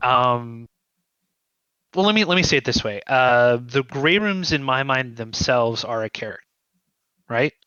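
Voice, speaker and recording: Bright-voiced man explaining ideas thoughtfully. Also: medium pitch, animated, clear, resonant tone, dry recording, lo-fi sound. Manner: thoughtful, halting, often checks with "right?". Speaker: guest writer. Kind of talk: conversational interview, explaining ideas.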